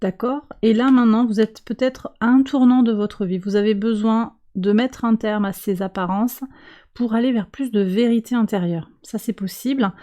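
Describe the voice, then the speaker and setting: Woman, head cold, mellow dark voice, calm unhurried card reading, frequent hesitations. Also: on the high side. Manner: calm, slow, hesitant with many fillers. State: has a cold. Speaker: tarot and astrology reader, channel host. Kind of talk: weekly card reading for viewers.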